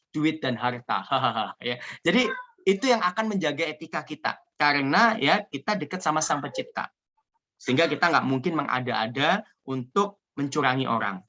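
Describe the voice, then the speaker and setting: A man from Indonesia giving an energetic, joking motivational business talk over a video call. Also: fairly high pitch, normal speed. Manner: energetic, joking, repeats "ya" often. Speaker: seminar speaker.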